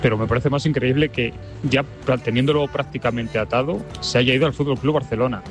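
Mid-pitched man over clear music. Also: fairly quick.

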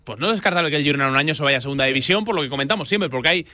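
Male pundit, casual and opinionated, slightly high, very bright voice, dry close sound. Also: rapid-fire, no echo. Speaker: sports pundit. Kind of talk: casual opinionated football discussion.

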